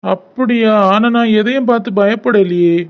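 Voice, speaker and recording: Give me a man voicing a plain-spoken worried father for a cartoon, higher-pitched, muffled recording. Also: moderate pace. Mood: weary. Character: worried middle-aged working father. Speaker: voice actor for several male figures. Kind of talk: cartoon voice acting. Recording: dull lo-fi sound.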